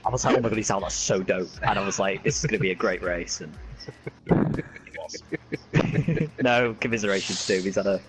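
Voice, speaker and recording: A man's voice: on the low side, moderate pace, long pauses, noisy background. A man giving a casual post-race interview as an online racing driver. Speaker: racing driver being interviewed, league commentator.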